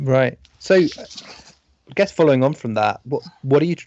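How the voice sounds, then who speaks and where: A man's normal speaking voice moves at a fairly quick pace with ordinary pitch variation. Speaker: podcast co-host. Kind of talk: podcast discussion on politics.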